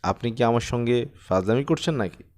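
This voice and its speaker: A man's voice: mid-range voice, expressive, fairly quick, a little mellow, lightly acted. A man voicing a stern, sarcastic male headmaster who scolds coldly and curtly in an audiobook story. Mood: cold, exasperated. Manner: cold, curt, scolding.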